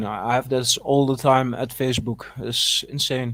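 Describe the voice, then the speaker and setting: Here a man with a Dutch accent speaks at medium pitch and a moderate pace. His intonation stays flat and monotone. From Netherlands. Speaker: guest on live stream. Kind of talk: casual chat. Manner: halting.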